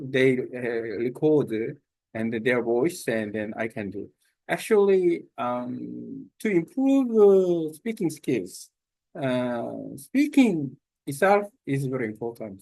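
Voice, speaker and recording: Halting man, slow and hesitant. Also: mid-range voice, a little mellow, dry recording, poor audio. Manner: halting, many fillers and restarts. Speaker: language learner. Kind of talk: casual self-recorded talk.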